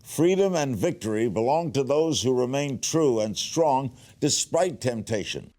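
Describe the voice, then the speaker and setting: Mid-pitched man reading a motivational manifesto. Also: expressive, unhurried, a little mellow. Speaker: reader.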